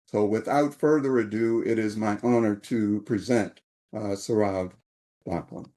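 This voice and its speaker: Man, moderator, mellow tone, formal, reading an introduction. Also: lowish voice, unhurried.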